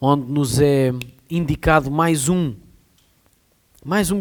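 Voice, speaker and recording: Very slow pace and lively intonation from a man with a fairly high pitch. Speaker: preacher. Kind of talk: sermon. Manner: softer delivery.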